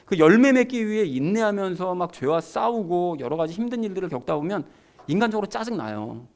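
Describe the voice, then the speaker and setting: A man's voice: high-pitched, expressive, fairly quick. A man preaching a sermon as pastor, talking conversationally and emphatically to his congregation.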